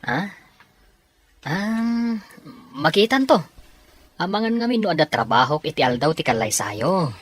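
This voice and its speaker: A woman voicing an easygoing, teasing young man in an Ilocano Filipino audio drama, with a husky voice. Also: deep voice, lively intonation, measured pace, pauses often, exaggerated voice. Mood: concerned, casual.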